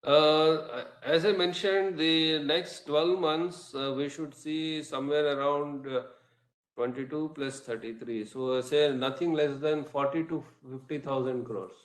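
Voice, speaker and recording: A man with an Indian accent answering questions as a company executive on an earnings call, in a halting, measured way. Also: on the high side, fairly even intonation. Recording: echoey room sound.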